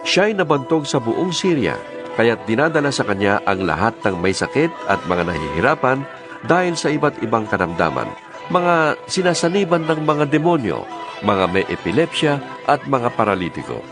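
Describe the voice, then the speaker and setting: A man's voice: mid-range voice, very animated, moderate pace. A man with a Filipino accent narrating a scripted audio Bible. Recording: music under the voice.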